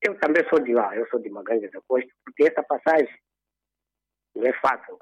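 A man from Mozambique phones in to a radio show, and his husky voice comes through dull and muffled. He talks earnestly and leans on religious phrasing. The sound is dry, with no room around it. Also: medium pitch, lively intonation, fairly quick, no echo. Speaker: radio caller.

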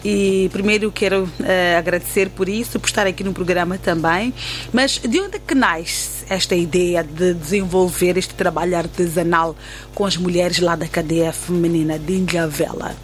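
A woman's voice: fairly low pitch, fairly even intonation, normal speed, a little hiss or hum. A Mozambican woman with a Portuguese accent of her country, hosting a chatty live studio interview in an effusive, exclaiming manner. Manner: effusive, exclaiming, repeats the guest's answers. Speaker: radio host interviewing a guest. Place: radio studio.

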